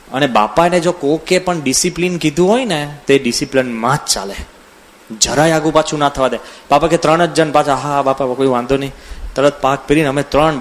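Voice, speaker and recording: A man giving a storytelling sermon as a swami, full of lively anecdotes, acting out the voices of people in his stories. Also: on the high side. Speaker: swami giving a religious discourse. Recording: audio from a CD recording.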